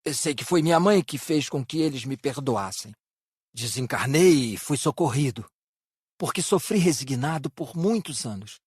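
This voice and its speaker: Male actor as humble ex-soldier spirit, husky, middle pitch, dry close sound, resigned confession, audiobook. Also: animated, normal speed, no echo. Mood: sorrowful, resigned. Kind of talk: dramatised audiobook narration.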